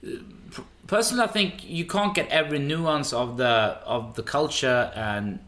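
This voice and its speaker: A man's voice: medium pitch, moderate pace, roomy sound. A man in his twenties, a native Swedish speaker, talking emphatically as a podcast guest and often restarting his words. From Sweden. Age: 20s. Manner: animated, emphatic, repeats words when starting. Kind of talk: casual podcast interview.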